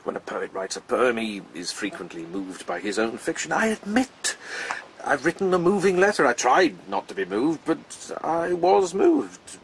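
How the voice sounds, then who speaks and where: An actor playing a proud, witty poet-soldier in a radio drama, speaking with eloquent, wry theatricality. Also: male voice, mid-range voice, sing-song, moderate pace, rough recording. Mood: moved, rueful.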